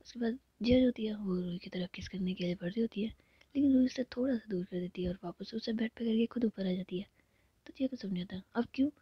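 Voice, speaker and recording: A woman narrating an intimate romantic story in a soft, close whisper. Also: mid-range voice, quick pace, slightly rough, no room sound. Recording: dull lo-fi recording.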